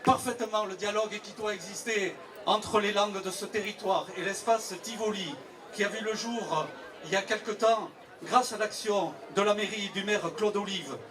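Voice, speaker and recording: A man giving a formal public speech as a local official, measured and pausing between short phrases. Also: high voice. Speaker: local authority president, official speaker. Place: public event with crowd. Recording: distant PA microphone, noisy crowd.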